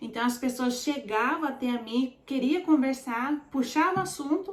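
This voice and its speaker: High-pitched woman at a fairly slow pace, with ordinary pitch variation and noticeable background noise. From Japan. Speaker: vlogger. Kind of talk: casual chat. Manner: conversational, hesitant.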